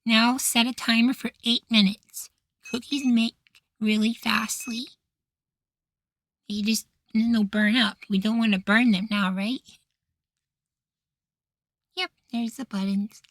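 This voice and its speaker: A man playing an affectionate, easily flustered young femboy househusband in an intimate ASMR roleplay, speaking in a soft, feminine, coaxing way. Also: high-pitched, steady tone, takes it slowly, pauses often, a little hiss or hum. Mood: soft, reassured. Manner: coaxing, gently praising, sweetly apologetic.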